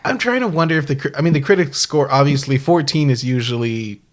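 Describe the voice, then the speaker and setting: A man's voice: medium pitch, a little fast. A man from Texas co-hosting a comedy movie podcast, running a quiz game with dry, teasing asides. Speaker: podcast co-host. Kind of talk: casual podcast chat.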